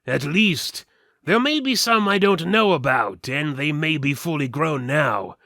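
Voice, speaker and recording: A man's voice: fairly high pitch, lively intonation, measured pace, creaky, pushed and bright, no room sound, studio quality, heavily acted. A man voicing a pleading, chatty skeleton in a fantasy story, insistent and wheedling. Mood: exasperated, chatty. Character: pleading, chatty male skeleton, bored caged undead father. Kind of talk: fantasy audiobook dramatic reading.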